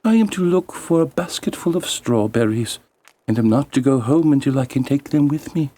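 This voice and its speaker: A man voicing a gentle, obedient young girl in a fairy tale, earnest and pleading. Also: medium pitch, expressive, moderate pace, pitched above the performer's own voice, lightly acted. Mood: willing, earnest.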